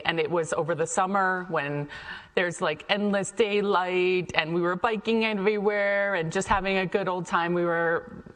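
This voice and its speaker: A middle-aged chef and cafe founder from Ohio, speaking with an American accent, gives an audience a chatty, informal talk about her life. Her voice is lowish with a fairly bright tone, and the echoey hall adds long reverb.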